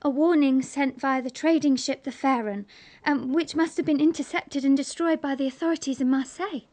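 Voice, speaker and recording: Give me a woman playing an earnest young daughter with a high, measured voice. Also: fairly even intonation, a little mellow, natural voice. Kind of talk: radio drama acting.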